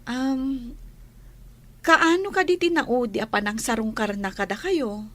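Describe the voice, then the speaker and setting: A woman with an Ilocano Filipino accent playing a polite, gentle young schoolteacher in a radio drama. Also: on the high side, a little slow. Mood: caring.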